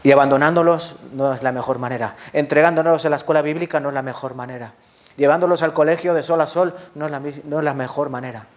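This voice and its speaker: A man's voice: fairly high pitch, fast. A man with a Spanish accent from Spain preaching a sermon as a pastor, passionate, asking the congregation questions and answering them himself.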